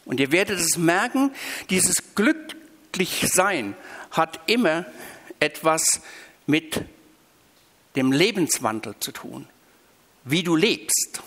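A man from Switzerland, preaching a sermon with emphatic, drawn-out stressed phrases. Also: on the high side, very animated, fairly bright tone. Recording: reverberant hall.

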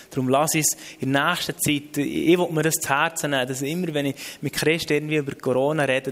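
A man's voice: medium pitch, a bit bright. A man with a Swiss German accent preaching and praying in an informal, earnest, exhorting way with repeated phrases. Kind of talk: sermon with spoken prayer. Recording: long hall reverb.

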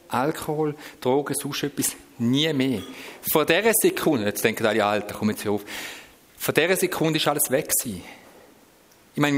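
A middle-aged man with a Swiss German accent gives a personal testimony to an audience, telling it in an animated way that swings between hushed asides and sudden shouts. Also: medium pitch. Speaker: speaker giving a personal testimony. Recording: reverberant hall.

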